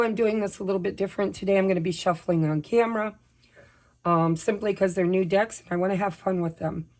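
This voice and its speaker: A woman, slightly hoarse while her voice recovers, chatting casually and apologetically through a pick-a-pile tarot reading. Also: medium pitch, a little mellow. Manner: chatty, apologetic, tells personal updates while shuffling. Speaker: tarot reader.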